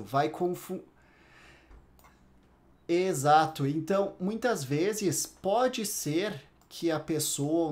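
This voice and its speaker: A Brazilian man with a Brazilian Portuguese accent teaches a private English lesson, patiently explaining pronunciation and repeating English words slowly to demonstrate the sounds. His voice is on the high side and a little mellow.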